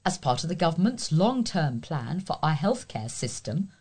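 A woman's voice: sits low, big pitch swings, moderate pace, a little mellow, husky. A woman with a British accent reading local news aloud as a volunteer newsreader.

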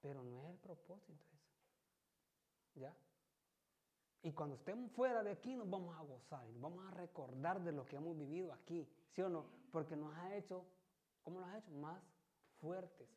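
Lay preacher, male; relaxed, warm tone, keeps asking the congregation if they follow. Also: on the high side, normal speed. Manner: conversational, constantly checks with listeners. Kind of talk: church sermon.

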